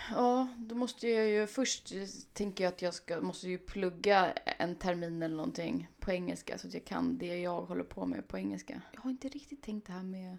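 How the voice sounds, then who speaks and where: Here is an ordinary speaking voice, moving at a moderate pace with ordinary pitch variation. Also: woman. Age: 30s. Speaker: podcast co-host. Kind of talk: casual chat.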